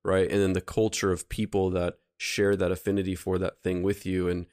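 A man hosting a reflective conversation, calmly laying out an idea and checking in with "right?" as he goes. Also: low voice, normal speed. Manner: calm, explanatory, often checks in with "right?". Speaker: host.

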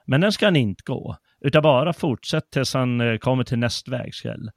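A man voicing a rural country man giving directions, in a clumsy put-on Värmland accent, reading haltingly. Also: medium pitch, gravelly, no echo, clean studio sound. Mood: helpful. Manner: halting dialect reading with fillers.

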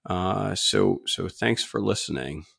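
A man's voice: deep voice, slow, creaky, fairly bright tone, breathy edge. A man with a slightly stuffy, congested nose, hosting a solo opinion podcast in an informal, opinionated, emphatic way. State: mild nasal congestion from a cold-like illness. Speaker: podcast host.

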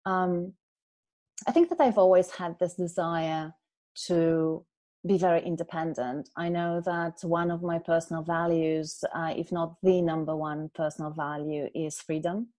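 A woman in her forties from Poland with a Polish accent, speaking as an interview guest in a thoughtful, measured way with frequent pauses. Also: fairly low pitch, steady tone, warm tone, no room sound. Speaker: guest, culture consultant. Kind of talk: reflective interview conversation.

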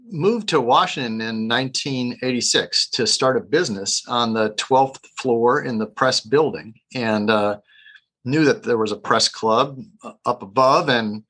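A man in his sixties talks casually as a guest, pausing with small fillers as he recalls his career. His voice is bright and forward. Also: mid-range voice, breathy edge, rough recording. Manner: relaxed, hesitant with fillers. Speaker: guest, club executive director. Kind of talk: casual interview.

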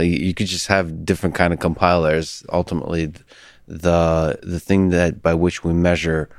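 A man with Russian as his first language, hosting a podcast in a soft-spoken, halting way with many restarts. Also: low voice, no echo, clean studio sound. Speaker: podcast host. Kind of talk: casual conversation.

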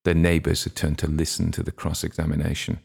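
A man narrating a literary audiobook in a very low voice. His tone has a gravelly, creaky texture, and he reads in a measured, steady way.

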